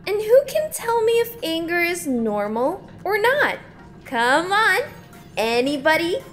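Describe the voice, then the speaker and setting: A saccharine, domineering counselor lectures teens in an audio drama. Her high voice swings widely as she speaks slowly and emphatically, with faint music behind her. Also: big pitch swings, a bit bright, full character voice. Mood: patronizing, insistent. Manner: patronizing, emphatic schoolteacher delivery.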